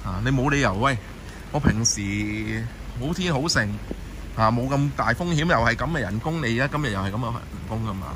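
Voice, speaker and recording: A man with a Hong Kong Cantonese accent and a mid-range voice live-streams a walking tour through rainy night streets, talking a little fast. Holding his phone camera, he chats casually with viewers and passers-by while steady rain and passing traffic sound behind him.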